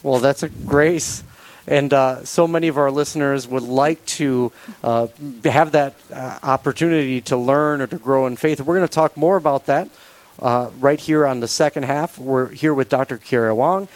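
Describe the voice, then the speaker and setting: A man hosting a Catholic radio interview, talking in a measured, thoughtful way with frequent pauses and fillers. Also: mid-range voice, rough recording. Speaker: radio show host.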